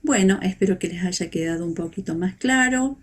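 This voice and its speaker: A woman teaching, explaining in a measured, didactic way. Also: lowish voice, animated. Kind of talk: explanatory lesson.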